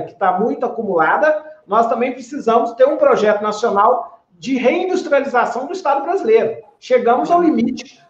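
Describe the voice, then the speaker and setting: A man who is a guest in a political conversation, speaking in a measured, explanatory way and often tacking "né?" onto his sentences. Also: very high voice. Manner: measured, explanatory, with frequent tag questions. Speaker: federal deputy, guest. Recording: echoey, dull lo-fi remote audio.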